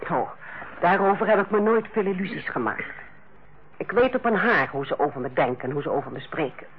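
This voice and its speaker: An actress playing a stern, blunt middle-aged head nurse in a Dutch radio play, with a formal, defensive manner. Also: female voice, fairly low pitch, animated, a little fast, husky. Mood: militant, resolute. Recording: dull, lo-fi old radio recording.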